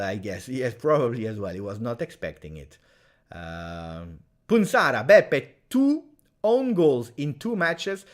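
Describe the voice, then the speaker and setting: A man hosting a live match reaction, chatty and partisan, bursting into excited shouts at big chances. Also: on the low side. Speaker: fan channel match reaction host.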